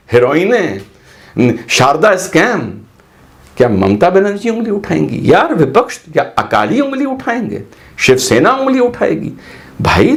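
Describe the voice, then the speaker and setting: A man giving heated political commentary, combative and firing off rhetorical questions and rapid lists. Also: fairly high pitch.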